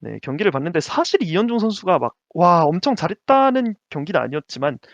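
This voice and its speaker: Lively higher-voiced man chatting basketball. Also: fast, no echo, lo-fi sound. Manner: lively, laughs often, stumbles over names. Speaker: podcast co-host. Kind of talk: casual basketball chat.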